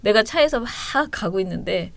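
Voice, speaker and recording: A woman hosts a casual talk podcast and tells her stories in a chatty, playful way. Her pitch rises and falls a lot as she talks. Her voice sits at a middling height. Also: expressive, brisk, gravelly, no room sound. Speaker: podcast host. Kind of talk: casual chat.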